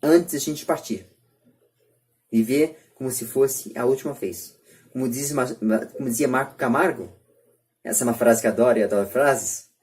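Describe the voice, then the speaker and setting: A man's voice: medium pitch, moderate pace, darkish tone. A man with a São Paulo Brazilian accent giving his opinions as a podcast host in an emphatic, repetitive, rhetorical manner. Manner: emphatic, rhetorical, repeats phrases. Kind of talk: podcast debate, opinion monologue.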